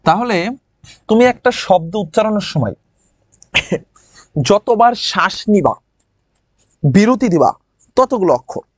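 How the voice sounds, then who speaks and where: Lively, teasing man teaching. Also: high-pitched, unhurried, long pauses, no room sound. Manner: lively, teasing, addresses students by name. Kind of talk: online class lecture.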